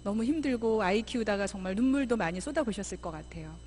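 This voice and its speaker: A middle-aged woman missionary giving a church seminar talk, lively, often acting out mothers and children in quoted voices. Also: mid-range voice, fast, a little hiss or hum. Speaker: missionary speaker. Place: church sanctuary.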